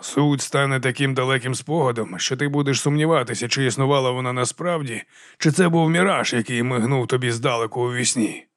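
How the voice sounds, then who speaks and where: A man voicing a sardonic aristocratic baron who drawls slowly and mockingly. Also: medium pitch, dry recording, lightly acted. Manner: slow, dry and mocking.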